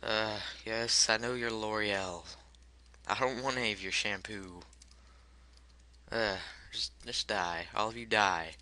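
A man's voice: lowish voice, takes it slowly, pauses often, sharp tone. A man commentating his own gameplay, frustrated and swearing at the game while muttering the menu choices he picks, his voice cracking. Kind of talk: let's play commentary.

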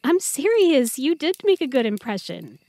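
Woman acting as an affectionate girlfriend, lively high voice. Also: normal speed, no room sound. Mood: tender. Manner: tender, chatty, playful. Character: affectionate young girlfriend, earnest and shy about love. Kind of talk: intimate roleplay audio drama.

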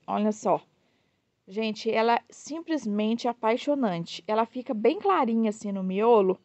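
A woman from Brazil with a southern Minas Gerais accent, showing her succulents to followers in an excited, gushing way and talking straight to viewers. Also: fairly high pitch, no echo, dull audio. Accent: southern Minas Gerais Portuguese. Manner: gushing, enthusiastic, addresses viewers often. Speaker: succulent grower and seller. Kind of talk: casual plant showcase to followers.

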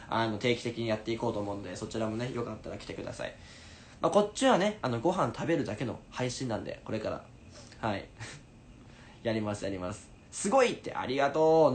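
A man in his twenties chatting casually on a livestream in an animated way, answering viewers as he goes. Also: medium pitch. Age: 20s. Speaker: stage actor livestreaming to fans. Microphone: phone at arm's length. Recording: noisy room ambience, phone livestream.

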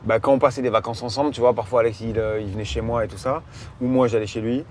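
A man in his thirties, a music producer, telling stories in a casual, relaxed way with many fillers and restarts, recorded in a moving car. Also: mid-range voice, fast talker. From France. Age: 30s. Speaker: electronic music producer, guest. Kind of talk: casual chat. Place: inside a car on city streets. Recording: faint road noise.

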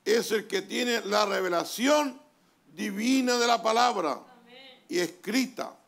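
A man with a Chilean accent, a pastor preaching a sermon in a church hall, pausing often and calling for amens. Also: high voice, vocal fry, a bit bright. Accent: Chilean Spanish. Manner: deliberate preaching with pauses, calls of amen. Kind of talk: sermon reading from a translated message.

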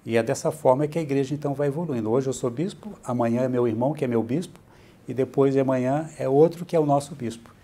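Seated indoors in a bright, furnished room, a middle-aged bishop with a Brazilian accent is interviewed and talks fast in a mid-range voice. His manner stays steady and explanatory, and "né" crops up often as he patiently lays things out.

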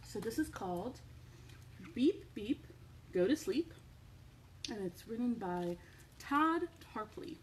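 A woman with a slightly high voice reads to small children and chats with them during a storytime at home, in an expressive, sing-song manner. As a children's librarian, she moves slowly, leaving long pauses. The living-room recording is rough, with faint background noise.

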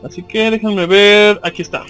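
A man's voice: high voice, fairly even intonation, normal speed, fairly bright tone, soft background music. A man with a Mexican accent giving casual, slangy, profanity-laced commentary as he plays a video game.

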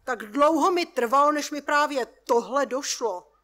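Woman reading her own story, calm and measured, high bright voice. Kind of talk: first-person story reading.

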